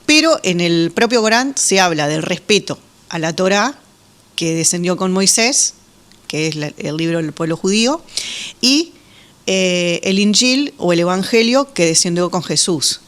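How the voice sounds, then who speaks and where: Rioplatense woman, radio interview guest, calm explainer, pauses and fillers often. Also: fairly low pitch. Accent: Rioplatense Spanish. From Uruguay, raised in Argentina. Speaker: guest, Muslim women's association representative.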